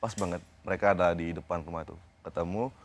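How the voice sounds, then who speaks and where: A young man, a guest on a TV interview, recounting events in a halting, informal way. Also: low-pitched, fairly even intonation. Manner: halting, informal, retells conversations step by step.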